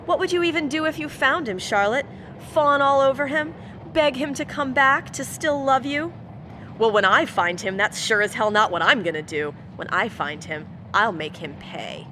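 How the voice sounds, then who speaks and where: Combative female politician, clear vehicle noise behind, sarcastic, ranting, accusatory, audio drama. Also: high-pitched, expressive, normal speed, pushed and bright. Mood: bitter, vengeful. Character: belligerent, sneering woman politician, accusing and vengeful.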